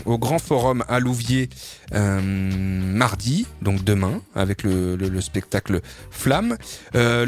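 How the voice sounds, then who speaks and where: A man hosting a local radio show, reading out events and programme listings in a loose, hesitant way with lots of fillers and little jokes. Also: on the low side. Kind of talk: casual radio chat and listings. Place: radio studio.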